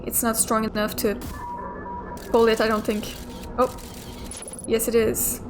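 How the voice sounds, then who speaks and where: With clear game music behind her, a young woman gives relaxed let's play commentary, voicing her thoughts and sometimes swearing. She has a fairly high pitch, a flat delivery, and an unhurried way of talking.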